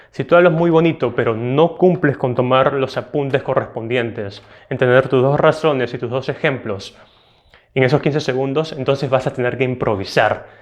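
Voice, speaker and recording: A man with a Latin American Spanish accent teaching a test-prep video lesson, explaining clearly and emphatically and checking in with "ok?". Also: mid-range voice, moderate pace.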